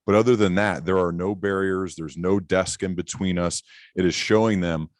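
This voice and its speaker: Low-voiced man, casual podcast host. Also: fairly even intonation, normal speed, no room sound, studio quality. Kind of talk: casual conversational anecdote.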